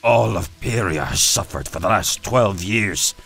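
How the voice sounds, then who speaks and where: A man's voice: deep voice, lively intonation, a little slow, vocal fry, fairly bright tone, slightly rough, pitched above the performer's own voice, heavily acted. A man reading a fantasy storybook aloud, voicing a captive male ice dragon who snarls through his pain. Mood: defiant. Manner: snarling, pained.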